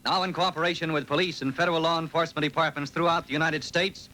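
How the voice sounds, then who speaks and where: A man's voice: a little high, fairly even intonation, quick pace, bright, forceful tone. A man announcing urgently and emphatically in 1940s radio style, on an old worn recording. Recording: old worn recording, long echoing hall sound.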